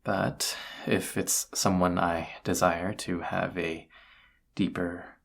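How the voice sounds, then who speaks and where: Casting: male actor as a weary, awkward incubus roommate for audio roleplay, very low gravelly voice, hesitant delivery. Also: level tone, exaggerated voice. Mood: awkward, explaining. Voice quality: husky, gravelly. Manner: hesitant, halting, soft-spoken, awkward. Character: tired, flustered male incubus roommate confessing feelings. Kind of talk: roleplay audio drama, intimate one-sided dialogue.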